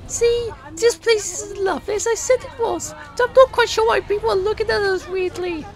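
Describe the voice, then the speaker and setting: Gentle, self-doubting audio-play heroine, very high voice, performed by a man. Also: steady tone, moderate pace, gravelly. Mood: cheerful. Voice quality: very high-pitched. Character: gentle, good-hearted young woman, self-doubting. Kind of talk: amateur audio play acting.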